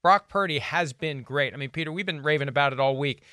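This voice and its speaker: A man in his fifties hosts a sports talk show with a bright, smooth voice. He talks emphatically in quick bursts. The sound is dry and close, from a studio mic. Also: a little high, dry recording. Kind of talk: casual studio discussion. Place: studio with brick wall. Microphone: studio mic on boom arm.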